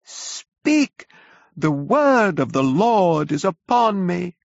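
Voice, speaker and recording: A man's voice: animated, measured pace, creaky, no echo, heavily acted. A man voicing a frenzied male curate who rants like a doomsaying prophet. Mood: prophesying. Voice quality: shrill, wailing preacher's cry. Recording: dull, lo-fi.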